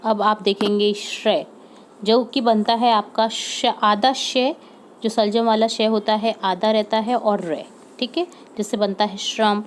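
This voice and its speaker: A woman's voice: mid-range voice, steady tone, unhurried, slight background noise. A woman teacher going through a homework lesson for young pupils, patiently repeating example words and checking in with the class.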